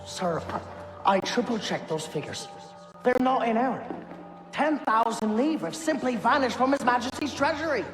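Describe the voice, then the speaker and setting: A man's voice: very high-pitched, animated, normal speed. An actor playing a bitter, indignant taxman turned revolutionary in a video game, with an agitated, declamatory delivery. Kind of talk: dramatic game acting. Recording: echoey hall, loud music behind.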